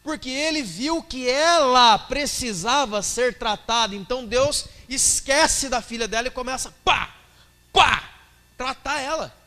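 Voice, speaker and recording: A man's voice: very high-pitched, unhurried, sharp tone. A male pastor with a Brazilian Portuguese accent preaching a colloquial sermon, often acting out dialogue.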